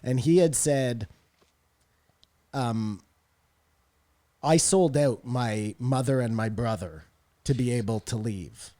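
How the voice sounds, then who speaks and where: A man with a medium-pitched voice talks as a podcast co-host. His delivery is conversational and informal, with loose phrasing and some swearing. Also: takes it slowly, long pauses, warm tone. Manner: informal, profane. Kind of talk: casual podcast discussion.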